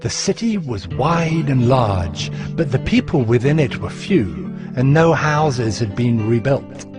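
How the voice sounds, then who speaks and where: A man playing a steadfast, devout ancient governor, narrating his memoir of scripture in a solemn, measured way. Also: medium pitch, expressive. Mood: solemn, resolute. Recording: music behind the voice.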